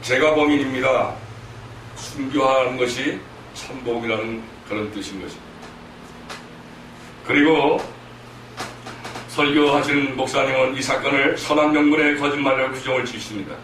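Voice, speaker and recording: A man's voice: mid-range voice, fairly even intonation, moderate pace, long pauses, fairly bright tone. A man preaching a sermon at a church prayer meeting, earnest and emphatic, with rhetorical questions to the congregation. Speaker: missionary preacher. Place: church hall. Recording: echoey hall from far off, faint noise.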